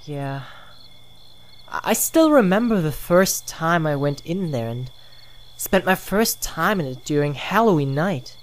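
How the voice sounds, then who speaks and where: A woman's voice: sits low, lively intonation, measured pace. A woman playing an earnest young believer in local ghost legends, speaking hesitantly and conversationally in an amateur audio drama. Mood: earnest, nostalgic.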